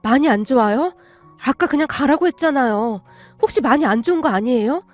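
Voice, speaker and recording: A woman voicing a kind young sister-in-law who asks with gentle concern. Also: sits high, expressive, a little fast, soft background music.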